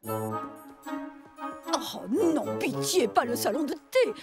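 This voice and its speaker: A woman's voice: high voice, wildly swooping pitch, extremely slow, full character voice. A woman voicing a snobbish, haughty cartoon fashion TV producer, speaking in an affected, disdainful, theatrical way. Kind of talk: French cartoon dub acting. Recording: loud music behind the voice.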